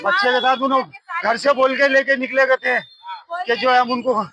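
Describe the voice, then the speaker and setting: An older man, pleading and halting as he speaks in a street interview. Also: extremely high pitch, steady tone, pushed and bright, rough recording. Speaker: victim's father.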